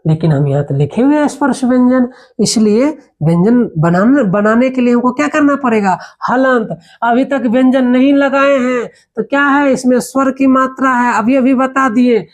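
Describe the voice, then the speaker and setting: A woman gives a spoken grammar lesson in a fairly high voice. She explains patiently, asking rhetorical questions and reaching for everyday examples. When she lists the letters, she sounds each one out slowly and with care. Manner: slow, careful recitation of letters. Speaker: Hindi grammar teacher.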